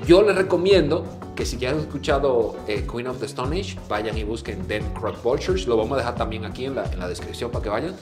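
Animated Caribbean-born man, roomy echo. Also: mid-range voice, fairly quick, hardly any pauses, over music. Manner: animated, acts out his own shouts when telling stories, heavy slang. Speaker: podcast co-host. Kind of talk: casual chat, storytelling.

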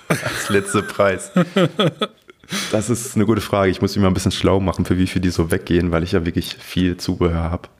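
Low-pitched, enthusiastic man chatting. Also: level tone, fairly quick. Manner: enthusiastic, informal. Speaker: podcast co-host and hobby drone pilot. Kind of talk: casual podcast chat.

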